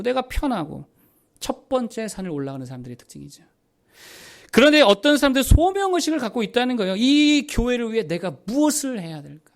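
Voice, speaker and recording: Animated Korean preacher with rhetorical questions. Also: male voice, sits high. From South Korea. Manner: rhetorical questions answered himself, rising to emphatic peaks. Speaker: pastor. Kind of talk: sermon.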